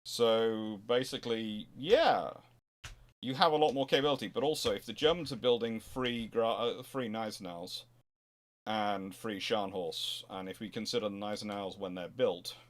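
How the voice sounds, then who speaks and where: A man hosting an unscripted history talk, answering questions in a rambling, halting way as he thinks aloud. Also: fairly low pitch. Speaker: host answering audience questions.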